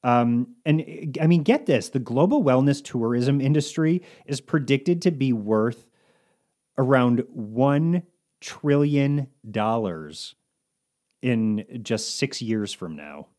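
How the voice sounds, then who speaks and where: Male co-host, casual lively chat, middle pitch. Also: slow. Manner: chatty, lively storytelling. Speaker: podcast co-host.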